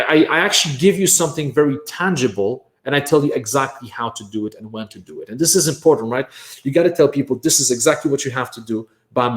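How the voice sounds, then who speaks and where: A Polish man whose first language is Polish runs an energetic online workshop about building courses, punctuating his points with "right?" and a repeated "bam." His voice sits at a medium pitch and the audio is reverberant.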